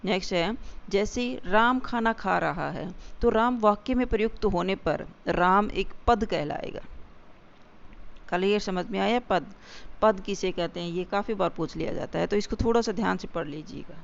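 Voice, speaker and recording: A grammar teacher explaining definitions step by step, repeating key points and slowing down for examples. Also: medium pitch, gravelly. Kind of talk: exam-prep grammar lesson. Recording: dull lo-fi recording with faint hiss.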